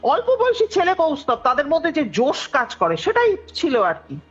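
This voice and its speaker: A woman's voice: sits high, moderate pace. A woman telling a story conversationally, acting out the dialogue as she goes. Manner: animated, acts out quoted dialogue. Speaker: guest telling a ghost story. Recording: dull lo-fi call recording with music behind. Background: background music.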